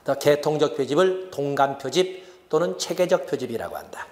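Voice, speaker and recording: A man's voice: fairly high pitch, big pitch swings, brisk, a little mellow. A middle-aged man giving an exam-prep lecture, repeating key terms as he writes them on the board.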